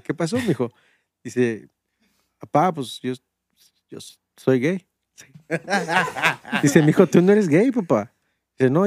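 A man's voice: fairly high pitch, darkish tone, husky, dry recording. A man with a Mexican accent, co-hosting a podcast and telling jokes in loose, slangy banter. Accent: Mexican Spanish. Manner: slangy, laughing storyteller who acts out quoted dialogue. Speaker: podcast co-host. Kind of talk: casual banter and joke telling.

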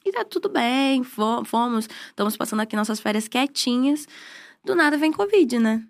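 A woman's voice: on the high side, lively intonation, normal speed, gravelly. A woman in her twenties from southern Brazil with no regional accent, chatting as a podcast guest and telling stories with frequent restarts. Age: 20s. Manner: chatty, storytelling, trailing restarts. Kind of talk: casual interview chat. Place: podcast studio.

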